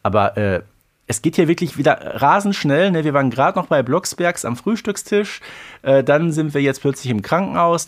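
A man co-hosting a podcast, discussing an audio drama episode in a lively, enthusiastic way. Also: medium pitch. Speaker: podcast co-host. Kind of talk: casual chat about an audio drama episode.

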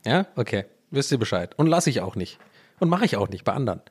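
A man's voice: medium pitch, very animated, fast talker, breathy edge. Male solo podcaster, chatty and self-mocking, wandering off-topic, home mic. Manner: rambling, joking, self-mocking, loses his thread. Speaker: podcast host. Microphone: home podcast mic recorded in Audacity.

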